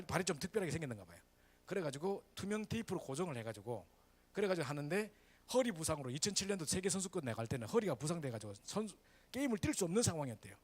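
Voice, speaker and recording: A man preaches a sermon in a church. His delivery is animated and swift, his voice sitting a touch high and swinging widely in pitch as he keeps turning to the congregation for agreement. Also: slightly rough. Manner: lively, animated preaching with frequent "그죠?" asides to the congregation. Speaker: pastor. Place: church sanctuary.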